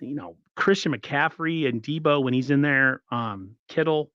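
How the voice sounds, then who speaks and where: A man's voice: medium pitch, unhurried, pushed and bright, clear, resonant tone, dry recording. Froggy-voiced man in casual sports chat. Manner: talkative, reads viewer comments aloud. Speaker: podcast co-host. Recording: slightly dull, dry audio.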